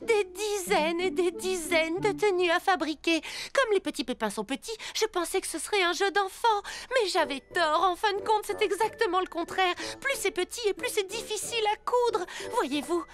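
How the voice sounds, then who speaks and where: A woman voicing an overworked, easily flustered seamstress girl in a French-dubbed children's cartoon, with expressive, theatrical delivery. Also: very high-pitched, normal speed, hardly any pauses. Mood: weary, complaining.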